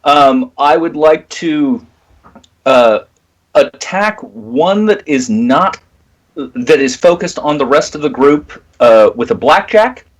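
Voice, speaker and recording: A man playing a tabletop roleplaying game, talking casually in hesitant, measured phrases. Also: fairly high pitch, expressive, rough recording.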